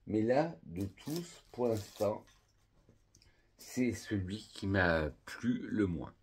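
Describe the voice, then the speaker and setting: A deep-voiced man from France talks through perfumes in a relaxed video review. His voice is low and a little husky, and he takes his time, naming notes one after another in an unhurried way. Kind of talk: casual perfume review vlog.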